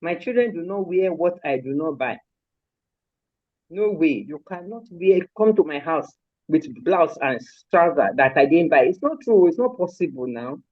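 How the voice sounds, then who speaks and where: A woman's voice: deep voice, animated, normal speed, dry recording, phone-quality sound. An older woman from Lagos with a Nigerian accent, a guest in a live interview who talks about raising her children in an emphatic, firm way. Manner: emphatic, firm, repeats points with force. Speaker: guest, mother and grandmother.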